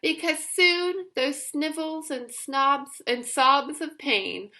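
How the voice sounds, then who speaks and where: High-pitched, animated woman reading a storybook. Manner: expressive, emphatic storytelling with dramatic pauses. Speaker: storybook reader. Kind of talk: scripted read-aloud narration of a children's picture book.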